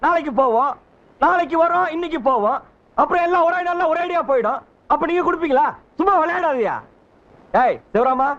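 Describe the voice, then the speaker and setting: An actor playing a loud, aggrieved man who chases a friend for a debt, blustering and scolding in a film comedy. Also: very high voice. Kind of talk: 1990s film comedy acting. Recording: dull film soundtrack with music.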